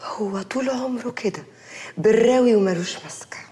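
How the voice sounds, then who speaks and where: A woman's voice: a little high, brisk, warm tone, close to an everyday voice. Woman playing a blunt, brusque aunt. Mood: brushing off. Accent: Egyptian Arabic. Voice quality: brusque, offhand. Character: blunt dismissive middle-aged aunt. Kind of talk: TV drama acting.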